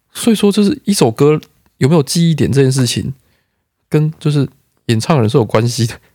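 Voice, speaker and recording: A man with a Taiwanese accent speaks at a fairly quick pace in a fairly high pitch, his dark, mellow tone and lively intonation broken by long, frequent pauses, the sound dry and close with no echo. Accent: Taiwanese Mandarin. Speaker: podcast co-host. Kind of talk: casual chat.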